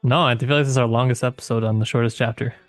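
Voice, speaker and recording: A man's voice: mid-range voice, fairly even intonation, racing, faint music behind. A man co-hosting a podcast, talking casually about literature and thinking aloud with tentative phrasing. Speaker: podcast co-host.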